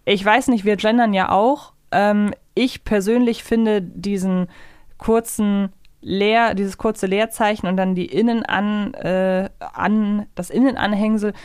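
A woman's voice: medium pitch, fairly even intonation, slow pace, darkish tone, clean tone, no room sound, studio quality. A woman co-hosting a podcast, talking casually and reflectively in long, winding clauses. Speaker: podcast co-host. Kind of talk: casual discussion of an audio drama.

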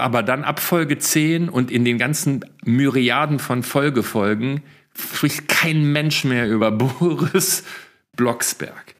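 A man's voice: mid-range voice, a bit bright. A man co-hosting a casual podcast, telling stories in a playful way and posing rhetorical questions to his co-hosts. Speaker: podcast co-host.

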